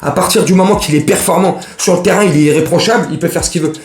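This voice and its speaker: Chatting about football transfers straight to his viewers, this male vlogger rambles and jokes in slang. His voice sits high and moves fast, in a roomy space with slight background noise.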